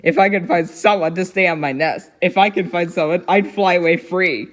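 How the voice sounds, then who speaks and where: A woman's voice: on the low side, moderate pace, lightly acted. A woman reading aloud as a lazy mother bird in a storybook, coaxing and pleading. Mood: grumbling, bored.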